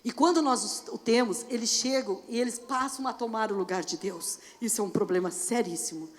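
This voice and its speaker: Pastora do sul do Brasil, voz aguda, pregação animada e coloquial. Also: female voice, fairly high pitch, a little fast. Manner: animated and conversational, often asks the audience "entendeu?". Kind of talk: sermon. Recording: long church reverb.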